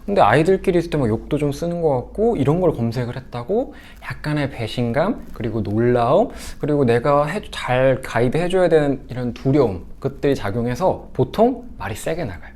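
A man giving a lecture to parents as a sex education instructor, talking in an animated way and often acting out quoted lines. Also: medium pitch, a little fast, hardly any pauses.

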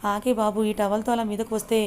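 A woman's voice: mid-range voice, little pitch movement, a little fast, a little mellow, a little hiss or hum, close to an everyday voice. A woman voicing a playful, teasing young man in love, reading him in a storybook style. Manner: cheeky, teasing.

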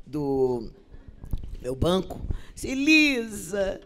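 Gravelly-voiced Brazilian woman telling stories. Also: medium pitch, moderate pace, a little hiss or hum. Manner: acts out dialogue with shifting voices, expressive and theatrical. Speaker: actress and poet giving a talk to theater students. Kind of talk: lively storytelling talk.

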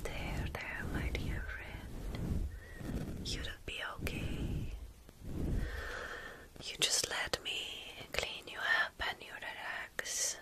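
A woman in her thirties voicing a tender, motherly vampire in a soft, soothing whisper for ASMR roleplay, close to the mic. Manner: soothing, slow, reassuring. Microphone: close ASMR microphone.

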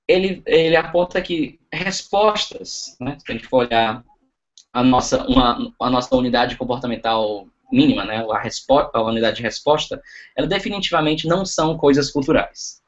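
A young man giving an online lecture over slides, talking haltingly with many fillers and restarts, recorded over a video call. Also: medium pitch, muffled recording.

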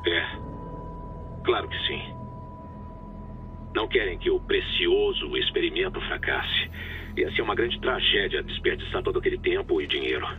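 A man with a Brazilian accent playing a gruff, bitter detective father in a dramatic video game. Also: low voice, lively intonation, normal speed, pauses often, phone-quality sound, faint music behind. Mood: sarcastic. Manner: gruff, cynical, sarcastic. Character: weary, bitter detective father hunting for his kidnapped daughter.

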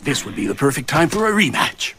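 A man's voice: on the high side, big pitch swings, brisk, slightly rough, exaggerated voice. A man voicing a proud, short-tempered black panther in a dubbed cartoon, taunting and theatrical. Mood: scheming. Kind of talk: English-dubbed cartoon acting. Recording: loud music behind the voice.

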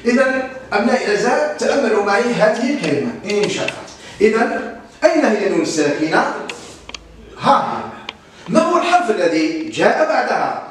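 Male teacher, high-pitched, patient and repetitive, distant mic in a booming room. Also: big pitch swings. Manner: patient, repeats words slowly for pupils. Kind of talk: Quran recitation lesson. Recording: echoey room, distant mic, faint hiss.

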